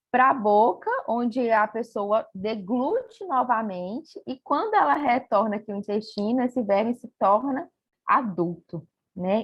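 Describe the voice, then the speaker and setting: A woman speaks at a fairly slow pace and a fairly high pitch. Her voice is somewhat breathy, with ordinary pitch variation. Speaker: nursing school lecturer. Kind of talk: online lecture. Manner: halting.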